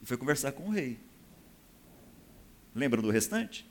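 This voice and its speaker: A man's voice: mid-range voice, sing-song, unhurried. A man preaching a sermon. He teaches from scripture in a conversational way and often checks in with his listeners.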